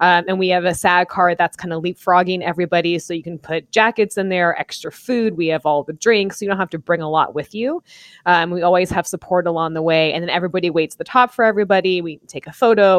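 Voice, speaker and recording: A woman talks very fast with hardly any pauses, in a General American accent. Her pitch is fairly low and her intonation fairly even. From Phoenix, Arizona. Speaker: competitive triathlete. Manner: casual, filler-heavy.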